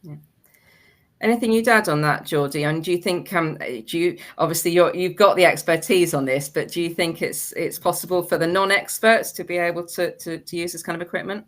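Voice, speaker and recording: A woman's voice: on the low side, fairly quick. A woman moderating a webinar panel as host, putting questions to guests and often rephrasing them tentatively.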